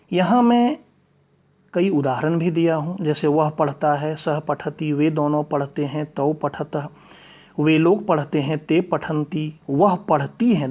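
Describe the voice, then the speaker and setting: A Sanskrit teacher with a voice on the high side, a darkish tone and slight roughness gives a classroom grammar lesson. He explains patiently step by step, reciting verb forms one after another.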